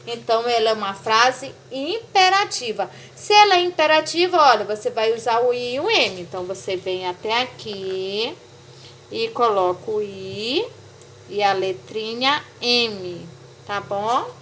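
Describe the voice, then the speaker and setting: High bright-voiced teacher explaining. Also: female voice, expressive, measured pace, a little hiss or hum. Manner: patient, repeats "tá?" to check understanding. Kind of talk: remote class explanation.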